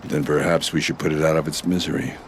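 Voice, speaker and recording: A man playing a weary, grave tribal chieftain in a video game, speaking in solemn, formal, measured phrases. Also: fairly even intonation, a little hiss or hum. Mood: somber. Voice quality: deep gravelly voice. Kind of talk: video game dramatic acting.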